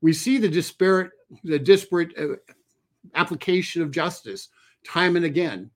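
A man's voice: fairly high pitch, expressive, moderate pace. A man talking straight to camera as a political commentator, emphatic and repeating key phrases. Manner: emphatic, repeats phrases, reads quotes aloud. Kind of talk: solo commentary video.

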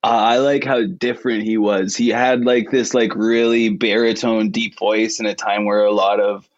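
A man with a deep voice, a musician guest chatting easily about songs with many fillers and restarts. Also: flat delivery, moderate pace, no room sound, muffled recording. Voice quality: low, deep voice. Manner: easygoing, hesitant with many fillers. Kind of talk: casual interview chat.

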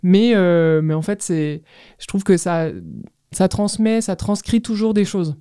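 A woman's voice: medium pitch, unhurried, warm tone, smooth, no room sound, clean studio sound. A woman in her thirties answering casually as an interview guest, hesitant and often searching for words. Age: 30s. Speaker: guest artist, ceramicist.

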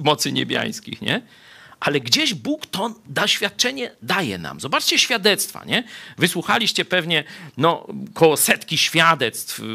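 A man's voice: fairly high pitch, vocal fry. A male pastor giving a conversational sermon, often tagging his sentences with a questioning "nie?". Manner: conversational, frequent tag "nie?"; lively, swings between soft asides and raised emphasis. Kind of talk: sermon Bible study.

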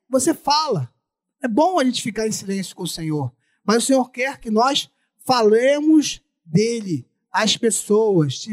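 A man with a Brazilian Portuguese accent preaching a sermon through a face mask, repeating phrases for emphasis. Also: very high-pitched.

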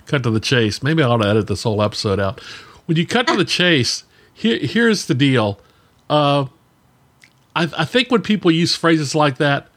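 A man co-hosting a podcast, talking in an animated, casual way with self-deprecating asides. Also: mid-range voice. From Virginia, US. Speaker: podcast co-host. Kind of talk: casual conversational talk.

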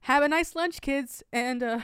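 A woman's voice: sits high, measured pace, a bit bright, dry recording, studio quality. A woman playing a playful, prying camp announcer who speaks to the children over the speakers with a whimsical patter. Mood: teasing. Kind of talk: audio drama acting.

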